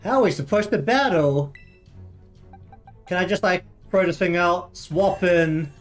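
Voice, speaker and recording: A man's voice: sits high, animated, measured pace, faint music behind. A man giving casual let's-play commentary, chatty and joking, swearing now and then. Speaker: gaming video host.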